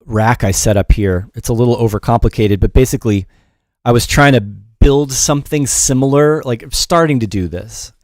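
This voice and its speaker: A man's voice: mid-range voice, normal speed, a little mellow, no room sound, studio quality. A middle-aged man giving a casual livestream music production lesson in a rambling, informal, self-deprecating way. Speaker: music production teacher and show host.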